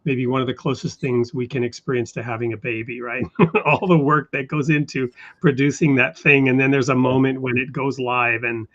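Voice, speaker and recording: A man's voice: mid-range voice, level tone, a bit bright. Man hosting an interview, lo-fi sound. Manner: measured, thoughtful with frequent fillers. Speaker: show host. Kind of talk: interview conversation.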